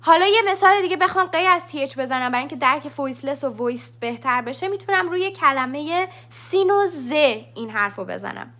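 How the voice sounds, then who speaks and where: A woman's voice: sits high, animated, few pauses, sharp tone. A woman teaching English on a live stream. She explains step by step, demonstrates sounds and answers viewers' questions from the chat. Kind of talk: live-streamed language lesson.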